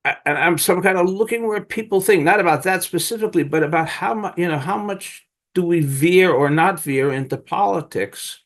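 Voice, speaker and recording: An older man, a Zen teacher, leading a dharma talk and group discussion in a halting, searching way with many restarts. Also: sits high.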